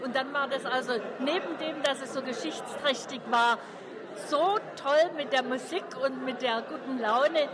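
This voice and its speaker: A woman's voice: high-pitched, normal speed. A woman from Italy, a trade unionist in a theatre audience, gushing about the show. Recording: crowd chatter behind.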